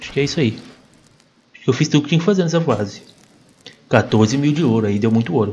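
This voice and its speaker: With a Brazilian accent, a man speaks using lively intonation. Light background noise can be heard. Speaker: gaming YouTuber. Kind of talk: gameplay commentary. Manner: animated.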